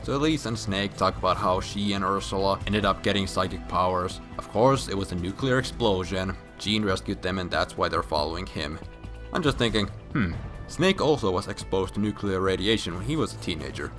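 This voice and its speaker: Drunk man ranting, low forceful voice. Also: brisk. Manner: drunk, rambling, profane, with emphatic outbursts. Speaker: video game storyline explainer. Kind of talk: casual comedic story recap. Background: background music.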